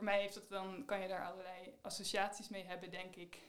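A woman's medium-pitched voice in a monotone, flat intonation. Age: 20s. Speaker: visual artist. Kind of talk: interview. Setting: in a closed church.

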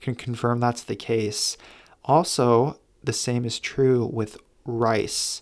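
A man speaks quietly and very slowly at a medium pitch, his intonation fairly even. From United States. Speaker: travel podcaster. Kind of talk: solo monologue. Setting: shared house at night.

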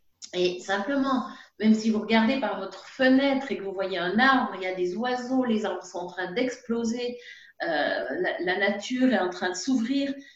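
With audible room echo and noticeable background noise, a woman talks fairly slowly at a fairly high pitch with ordinary pitch variation. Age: 60s. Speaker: psychotherapist and speaker. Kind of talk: interview.

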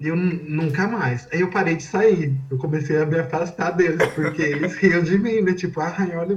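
Noticeable background noise sits behind a man talking at a moderate pace with fairly even intonation. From Paulínia, São Paulo state interior, Brazil. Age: 20s. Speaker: architect. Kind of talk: casual chat. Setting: remote online call.

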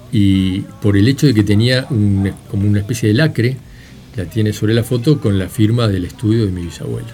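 A man speaks at a fairly quick pace in a fairly low pitch. His pitch variation is ordinary, with music in the background. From Uruguay. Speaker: photographer. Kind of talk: casual chat.

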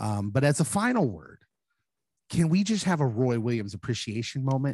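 A man speaks with a Midwestern American accent at a medium pitch and a moderate pace. The recording is very clean, with a silent background. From Kansas (Lawrence). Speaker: sports podcast host. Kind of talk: casual chat.

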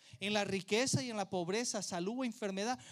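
The speaker is a man with a high pitch. His tone is animated. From South America. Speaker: guest preacher. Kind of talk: sermon. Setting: church.

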